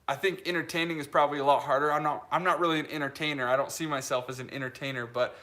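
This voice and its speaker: A man in his late twenties from Utah talks through a casual live stream, answering viewer comments as they come. His voice sits a little high and sounds bright. He rambles with plenty of fillers and restarts and laughs easily. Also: steady tone, very fast. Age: 20s. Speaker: leatherworker hosting a live stream.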